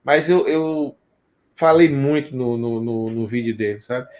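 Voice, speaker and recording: Relaxed Recife-accented male interviewer. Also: mid-range voice, a little slow. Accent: Recife Pernambucan Portuguese. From Pernambuco, Brazil. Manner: calm, gives short affirming backchannels. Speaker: podcast interviewer. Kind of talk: casual interview chat.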